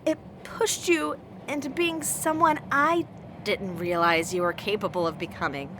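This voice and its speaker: An actress playing a devoted, wounded wife in an audio drama, speaking with emotional pleading. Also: female voice, mid-range voice, noisy background.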